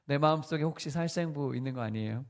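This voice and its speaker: A man's voice: a little high, quick pace. A man preaching as pastor in a conversational sermon, asking the congregation questions and adding light humor.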